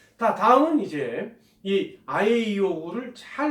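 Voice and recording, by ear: Putting on a character voice, a man sounds husky and hoarse, with a slight echo.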